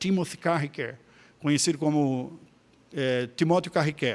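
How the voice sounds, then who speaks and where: In a very clean recording with a silent background, a man speaks at a moderate pace and a fairly high pitch. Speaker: Sunday school teacher, Presbyterian pastor. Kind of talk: lecture.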